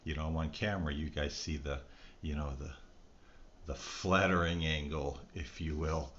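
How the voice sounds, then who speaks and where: A middle-aged man with a very low voice talks casually and reflectively to his viewers. He rambles earnestly, like a conversational host. The recording is dull and lo-fi, with clear background noise. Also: steady tone, normal speed, a bit bright. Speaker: host of a spirit recording channel. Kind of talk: casual, reflective talk to camera.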